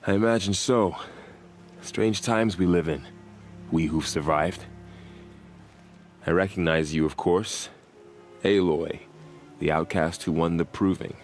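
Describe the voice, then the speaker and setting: A man playing a grave, guarded tribal warrior in a video game, speaking in measured, formal phrases. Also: low-pitched, soft background music. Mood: solemn.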